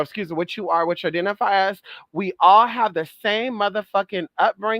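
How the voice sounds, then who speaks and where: A woman's voice: mid-range voice, a bit bright, no echo. A trans woman vlogging in a sassy, profane monologue, calling listeners girl, honey and baby and repeating phrases for emphasis. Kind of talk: casual monologue rant.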